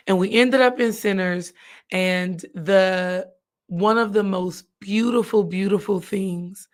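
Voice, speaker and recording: A woman, hoarse from coaching, chatting casually on a live stream as a spiritual healing coach. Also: on the low side. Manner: chatty, addresses viewers directly.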